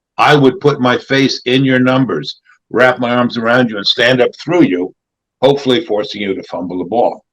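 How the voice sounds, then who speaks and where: In a plain, everyday voice with an American accent, a man speaks at a moderate pace and medium pitch with ordinary pitch variation. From New Jersey. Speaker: actor and stuntman. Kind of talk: interview. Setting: studio.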